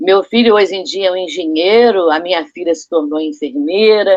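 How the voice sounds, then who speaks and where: A woman speaks at a moderate pace. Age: 60s. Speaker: interviewee sharing spiritual experiences. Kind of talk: interview testimony. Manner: conversational, repetitive fillers.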